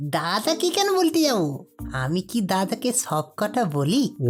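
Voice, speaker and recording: In a put-on character voice, a man speaks at a fairly slow pace with a high pitch and very wide pitch swings. Faint music plays in the background. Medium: read story. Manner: stammering.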